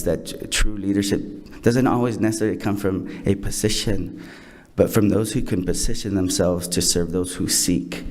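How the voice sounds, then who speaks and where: A man's voice: deep voice, mellow. A middle-aged man, originally from El Salvador, giving earnest prepared thanks to a school board and repeating phrases for emphasis. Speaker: program founder presenting to a school board. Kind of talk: prepared remarks at a public meeting.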